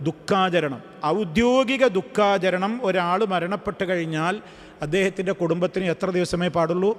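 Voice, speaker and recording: A man's voice: sits high, normal speed, big-room sound. A man giving an Islamic study-class lecture in a teacherly way, posing rhetorical questions and repeating key words. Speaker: religious teacher.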